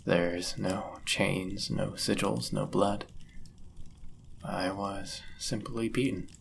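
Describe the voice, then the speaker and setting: A man's voice: on the low side, steady tone, gravelly, a little hiss or hum, full character voice. A man voicing a powerful, possessive demon in love, speaking intensely and formally in a dramatic fantasy audio roleplay. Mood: tender, yearning. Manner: intense, deliberate, formal and archaic phrasing. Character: powerful, possessive, lovestruck male demon bound to a sorcerer.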